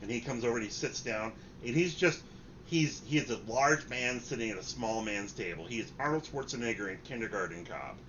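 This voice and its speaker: A man working as game master, narrating and chatting informally in a halting, improvised way. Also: medium pitch, a bit bright. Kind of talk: improvised tabletop game narration and casual chat. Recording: muffled room recording with clear noise.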